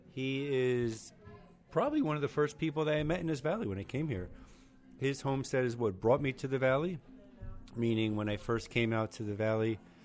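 An American-accented man speaks at a fairly quick pace and medium pitch, with music playing in the background. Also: ordinary pitch variation. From US Northeast (New Jersey). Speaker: podcast host and homesteader. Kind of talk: casual interview.

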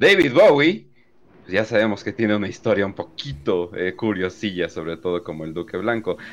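A man talks in a normal speaking voice at a moderate pace. His pitch is fairly low, and his intonation is lively. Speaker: podcast co-host. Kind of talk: casual chat. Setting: live stream.

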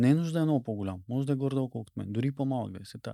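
In a dry, close sound with no echo and a very clean recording with a silent background, a man speaks in a dark, mellow tone. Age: 30s. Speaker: podcast host. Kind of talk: casual chat.

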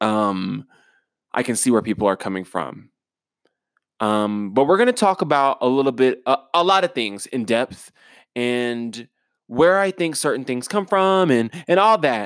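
On a very clean recording with a silent background and a dry, close sound with no echo, a man at medium pitch speaks fairly slowly in an animated tone with very wide pitch swings. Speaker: solo podcast host and musician. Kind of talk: casual movie review monologue. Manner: loud.

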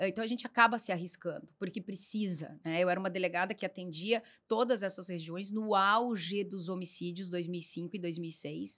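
With fairly even intonation, an unremarkable speaking voice keeps to a moderate pace. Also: woman, medium pitch for a woman. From interior of Rio Grande do Sul, Brazil. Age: 40s. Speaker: former police chief. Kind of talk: interview.

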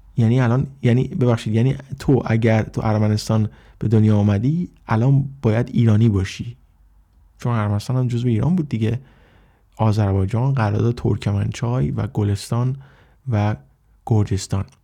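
With long, frequent pauses against a quiet background, a man speaks at a moderate pace and medium pitch in a dark, mellow tone with ordinary pitch variation. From Iran. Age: 30s. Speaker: YouTuber and programmer. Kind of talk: podcast monologue.

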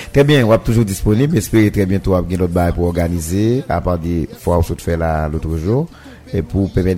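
A man with a Haitian accent speaks in a very deep, low voice at a moderate pace with ordinary pitch variation, over noticeable background noise. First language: Haitian Creole (speaking French). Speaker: radio show host. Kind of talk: radio interview.

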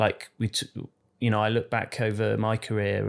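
A man speaks with an English accent at a moderate pace. The recording is very clean, with a silent background. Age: 40s. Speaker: executive chef. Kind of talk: podcast interview. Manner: relaxed.

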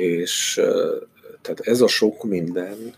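A man is speaking. His pace is very slow. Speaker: writer. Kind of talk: interview.

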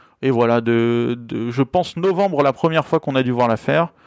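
On a dry, close recording with no echo, a man talks at medium pitch and a moderate pace with ordinary pitch variation. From France, near Senlis (Oise). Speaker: restaurant owner. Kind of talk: casual interview.

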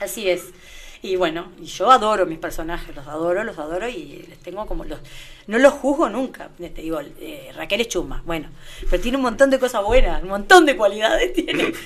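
The speaker talks at a fairly quick pace, with very wide pitch swings and big swings in loudness. Noticeable background noise runs underneath. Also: woman, medium pitch for a woman. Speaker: comedic actress. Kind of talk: radio interview.

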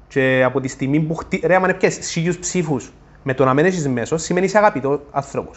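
A man with a Cypriot accent speaks in a fairly high voice. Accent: Cypriot Greek. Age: 30s. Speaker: podcast host. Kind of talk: casual interview. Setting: livestream from home.

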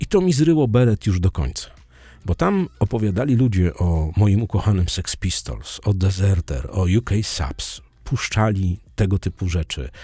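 A man's fairly low, somewhat breathy voice with a dark, mellow tone, lively intonation and a moderate pace, on a very clean recording over a silent background. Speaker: motivational podcaster and former radio presenter. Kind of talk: motivational monologue.

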